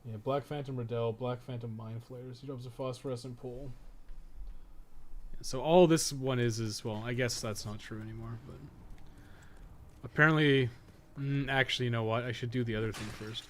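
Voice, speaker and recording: A man's voice: medium pitch, steady tone, moderate pace, fairly bright tone, slight background noise. A man giving casual, rambling live commentary as he games, thinking aloud and swearing freely. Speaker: gaming streamer and podcast co-host.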